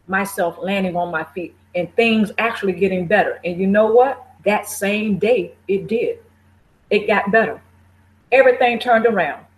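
A woman's voice: medium pitch, low-quality recording. A woman speaking to listeners in a conversational motivational talk, encouraging and repeating phrases, often laughing.

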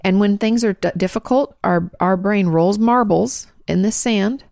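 A woman's voice: mid-range voice, a little slow, gravelly, darkish tone, dry recording, clean studio sound. A congested woman hosting a podcast, frankly answering listener questions in casual advice talk, full of fillers and restarts. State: congested, clearing her throat.

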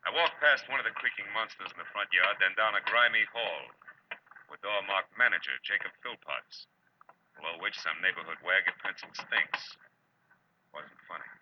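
A man's voice: low voice, normal speed, close to an everyday voice. A man playing a tough, wry private detective in a 1940s radio drama, terse, sardonic and world-weary. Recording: dull, noisy vintage radio recording.

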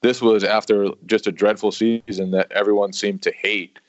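Laid back guy cohosting a sports pod, lowish voice, dry dull sound. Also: level tone, moderate pace, no echo. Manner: easygoing, self-mocking, stumbles and restarts. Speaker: sports podcast co-host. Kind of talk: casual sports podcast chat. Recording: dry, slightly dull lo-fi audio.

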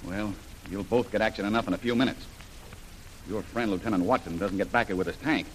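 Guy doing a bossy confident jungle hero, fairly low voice, faint hiss. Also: brisk, close to an everyday voice, poor audio. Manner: commanding, takes charge. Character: bold, confident male jungle adventurer.

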